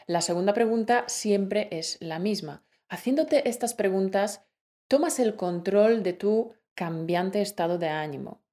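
Woman podcast co-host, measured and clear, explaining study tips. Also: medium pitch, mellow. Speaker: co-host of a Spanish-learning podcast. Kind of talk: scripted podcast teaching.

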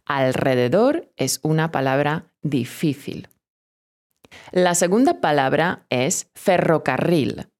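A woman giving a scripted vocabulary lesson, drilling pronunciation slowly and encouraging the learner directly. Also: low voice, darkish tone. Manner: slow, careful pronunciation drills. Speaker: Spanish teacher.

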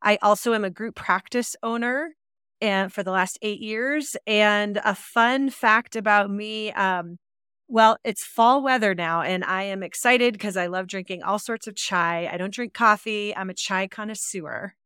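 A woman's voice: mid-range voice, measured pace, fairly bright tone, clean tone, no echo, clean studio sound. A woman who hosts a podcast and owns a practice, introducing herself cheerfully. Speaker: podcast host and practice owner.

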